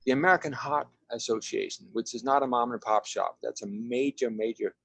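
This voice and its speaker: An enthusiastic man from Denmark walks through slides, asking "right?" after many points. His voice has a medium pitch and sounds close and dry, with no room around it. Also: a little fast, gravelly, fairly bright tone, breathy edge, dry recording. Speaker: guest presenter. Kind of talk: presenting slides in a webinar.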